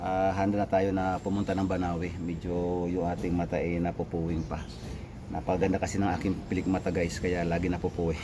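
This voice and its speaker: Very deep and low, a man's voice moves at a fairly quick pace with monotone, flat intonation and very even loudness. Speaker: vlogger and freelance worker. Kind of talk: casual vlog narration. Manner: halting, many fillers.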